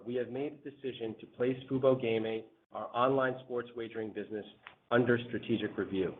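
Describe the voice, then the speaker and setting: A man delivers a prepared earnings presentation in a formal, measured manner. His voice sits at an average pitch. It comes through a narrow conference phone line with a little background noise. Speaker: company executive. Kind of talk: scripted corporate earnings presentation.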